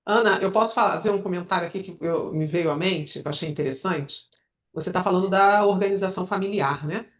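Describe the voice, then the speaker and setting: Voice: mid-range voice, fairly quick. A participant in a group talk politely asking to add a comment. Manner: polite, eager to add a thought. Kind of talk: casual comment in a group call. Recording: dull lo-fi call audio.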